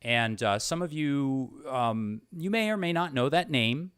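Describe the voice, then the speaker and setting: A man hosting an interview show in an unscripted, conversational way, halting and repeating words, earnest and effusive. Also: mid-range voice, expressive, a bit bright, smooth, no room sound, clean studio sound.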